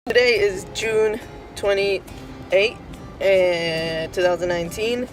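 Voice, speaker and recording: A man's voice: sits high, takes it slowly, soft background music, poor audio. A young trans man talking in a matter-of-fact, lightly amused way in a vlog diary. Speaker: vlogger.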